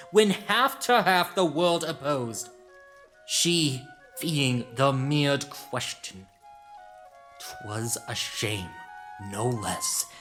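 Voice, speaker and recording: A man's voice: medium pitch, fairly bright tone. A man playing a blunt, cynical veteran Roman soldier in a Shakespearean audio drama, with a wry, emphatic delivery. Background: music.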